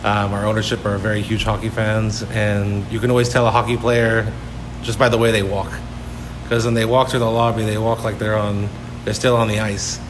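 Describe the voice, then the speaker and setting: A man's voice: fairly low pitch, flat delivery, moderate pace, background noise. A man from Turks and Caicos, a hotel guest services manager, answering interview questions in an easygoing, friendly way.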